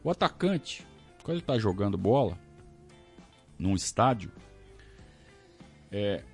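A Brazilian man hosting a casual live stream, talking to his audience in an animated, ranting way. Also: on the low side, unhurried, faint music behind. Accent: Brazilian Portuguese. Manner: animated, talks to the audience, rants and self-questions. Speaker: podcast host reading superchats. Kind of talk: casual live-stream chat about football.

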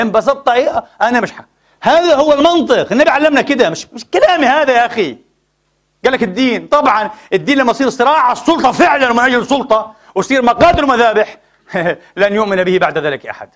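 A man's voice: very high-pitched, a bit bright. A Palestinian man preaching a Friday sermon in a mosque, impassioned and mixing colloquial speech with formal phrasing.

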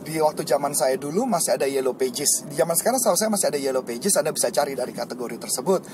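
A middle-aged man giving a motivational sales lesson, explaining points and acting out eager sales pitches with lively energy. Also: racing, background noise. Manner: lively, acts out sales pitches with rising enthusiasm. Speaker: sales trainer.

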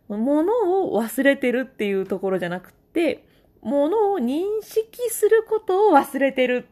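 A woman's voice: fairly high pitch, darkish tone, husky. A woman hosting her own casual talk show, chatting alone, reading listener comments and laughing often. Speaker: podcast host.

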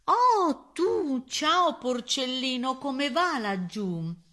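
A woman voicing a sly, ruthless young Red Riding Hood in a storybook rhyme, sugary and drawn-out. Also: high voice, lively intonation, pushed and bright, pitched above the performer's own voice, full character voice.

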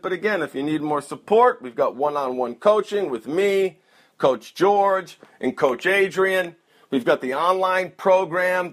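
Male coach chatting to his listeners, earnest and encouraging, slow talker, slightly high voice. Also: fairly bright tone. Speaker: coach and host. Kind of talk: casual direct address to listeners.

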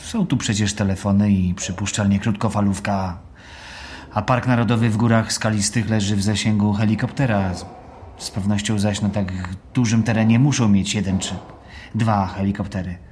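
An actor playing a guarded ex-teacher at a job interview in an audio drama, dry, restrained and politely sceptical. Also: male voice, on the low side, fairly even intonation, normal speed, darkish tone, a little hiss or hum, lightly acted. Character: wry, guarded ex-teacher seeking a caretaker job.

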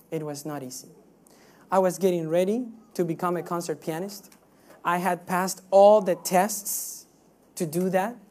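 A woman's voice: on the low side, darkish tone. A woman from Cuba preaching a sermon in an emphatic, teaching way, with rhetorical questions and repeated phrases.

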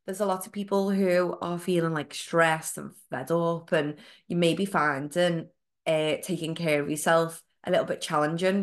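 Congested woman podcasting. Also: on the low side. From United Kingdom. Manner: chatty and encouraging, with frequent ums and likes. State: nasal and congested from a cold. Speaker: podcast host, fitness coach. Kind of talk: casual solo podcast talk.

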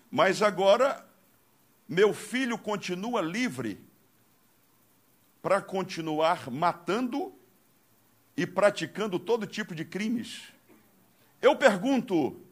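A man preaching a sermon, emphatic, questioning the congregation and swinging from hushed tones to shouts. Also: sits high.

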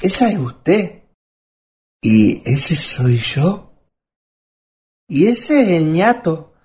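A bashful, good-natured young country suitor played by a woman in a radio play. The voice is low and mellow with lively swings in pitch, folksy and Chilean in accent. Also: extremely slow, exaggerated voice. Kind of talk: radio drama acting.

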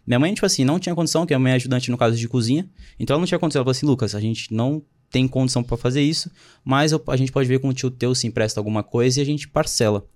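A young man in his twenties tells his own story in a relaxed, slangy way and keeps quoting other people's words. He talks quickly at a middle pitch. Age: 20s. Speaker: guest telling his story. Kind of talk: casual chat.

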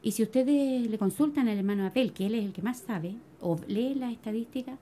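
A middle-aged woman with a Chilean accent giving a spoken religious testimony to a congregation, telling her story in an animated way and calling her listeners brothers. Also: on the high side, brisk. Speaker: church member giving testimony.

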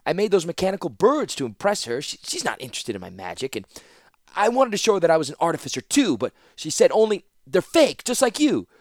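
Guy doing a high rushed young student, yells and stammers, voice jumping all over. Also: very animated, no room sound, studio quality. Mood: eager. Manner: shouting, breathless rushing, stammering. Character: impulsive young male student, defiant.

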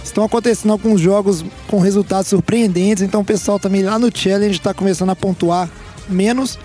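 A man's voice: sits high, fairly even intonation, brisk, mellow, soft background music. A man with a Brazilian accent hosting a sports podcast, upbeat and teasing with his co-hosts. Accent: Brazilian Portuguese. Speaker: podcast host. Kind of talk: casual sports podcast chat.

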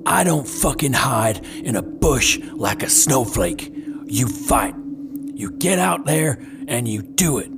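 A man playing a brash, crude, hot-headed macho survivor in a dark comedy audio drama, cocky and slangy, with music behind. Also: medium pitch, expressive, slow, creaky. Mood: defiant, boastful. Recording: loud music under the voice.

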